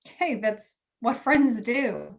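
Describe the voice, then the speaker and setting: Woman acting a candid, higher-voiced editor. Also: very animated, drawn-out words, gravelly, heavily acted. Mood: apologetic, supportive. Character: candid, loyal female magazine editor, jaded about love. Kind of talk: virtual staged play reading.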